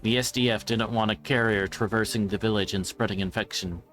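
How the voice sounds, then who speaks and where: Here a man narrates a visual novel live on stream, his voice on the low side, steady, brisk and a bit bright. Now and then he fumbles a word, while background music plays.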